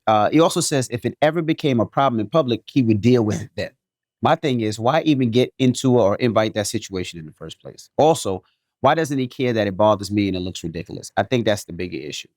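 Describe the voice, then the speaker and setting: A man from New York City co-hosting a podcast, reading a listener's email aloud and then giving his take in a joking, animated way. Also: fairly low pitch, dry recording, clean studio sound. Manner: animated, jokey, repeats himself. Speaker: podcast co-host.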